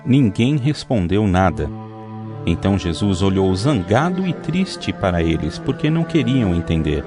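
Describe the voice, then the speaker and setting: Low-voiced man narrating scripture over music. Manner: steady, measured reading. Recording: music playing underneath.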